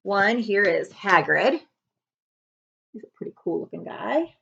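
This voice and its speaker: A woman librarian reading a chapter book aloud to children in an expressive storytelling style. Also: mid-range voice, measured pace, gravelly, slightly rough. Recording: slightly dull lo-fi home recording.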